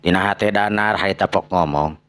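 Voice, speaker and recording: A man's voice: deep voice, moderate pace, fairly bright tone, clean tone. A man with a Sundanese accent narrating a dramatic story expressively as a storyteller.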